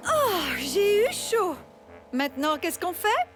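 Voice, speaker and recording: A woman voicing a kind, easygoing young mother in a children's cartoon, gentle and expressive. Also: extremely high pitch, slow pace, exaggerated voice. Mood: playful. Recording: music behind the voice.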